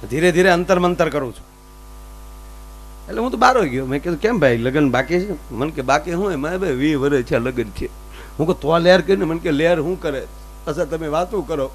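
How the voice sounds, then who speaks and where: A man telling folk comedy stories on stage. He acts out both sides of each conversation. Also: a little high. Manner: animated storytelling, acts out both sides of dialogues. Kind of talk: Gujarati stage comedy storytelling.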